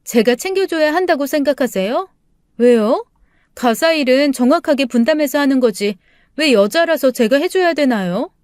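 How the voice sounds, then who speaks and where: A woman doing a defensive, sharp-tongued young wife in a spoken story. She fires back in a raised, high voice, clear and smooth, with no room around it. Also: no echo, studio quality. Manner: snappish, indignant retorts.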